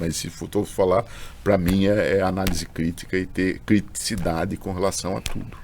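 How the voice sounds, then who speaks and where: A man is speaking. His voice has vocal fry. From São Paulo state, Brazil (Piracicaba). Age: 60s. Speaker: professor. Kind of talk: podcast interview.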